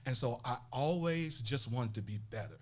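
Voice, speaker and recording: Appearing as a guest in a relaxed interview, a Tennessee man who works as a life coach talks with animation at a normal speed in a medium-pitched voice. Hailing from Nashville, he comes across as earnest and reflective and frequently starts his thoughts over.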